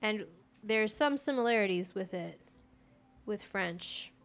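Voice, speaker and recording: Here a young woman streaming a game chats casually, replying to viewer messages and muttering to herself as she plays. Her voice sits at medium pitch, slow and expressive; she's from the United States and grew up speaking Persian.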